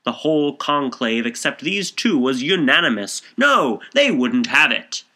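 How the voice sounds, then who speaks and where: A self-assured middle-aged gentleman, as a male narrator plays him, holds forth in a storybook tale. His delivery is declamatory and solemn, with a sharp, forceful edge on each point. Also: sing-song, measured pace, heavily acted. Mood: holding forth. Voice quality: deep, raucous.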